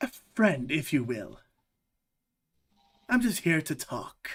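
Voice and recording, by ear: A man performs a put-on character voice at a fairly high pitch. His pitch swings very widely, and the pace is fairly slow.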